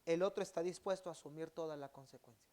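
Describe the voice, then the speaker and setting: A male pastor preaching a sermon in a church, swinging between loud emphatic bursts and quiet, low endings. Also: fast talker. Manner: acts out quoted speech in dialogue.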